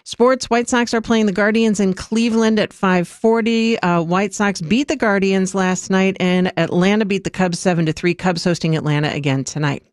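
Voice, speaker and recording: A news reader delivering a radio newscast in a steady, measured way. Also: mid-range voice, no echo, clean studio sound.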